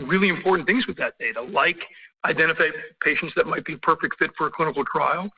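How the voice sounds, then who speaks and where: A dull, band-limited conference line carries a husky man's voice, set a little high. He speaks as an executive giving unscripted answers, haltingly, repeating words and clearing his throat. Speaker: company executive. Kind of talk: unscripted earnings call answers.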